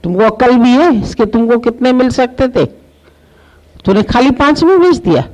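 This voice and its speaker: A woman's voice: on the high side, expressive, moderate pace, a little mellow, close to an everyday voice, rough recording. A woman voicing a male jeweler who scolds someone in disbelief. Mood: shocked, scolding. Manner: incredulous, scolding. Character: shocked scolding male jeweler, middle-aged.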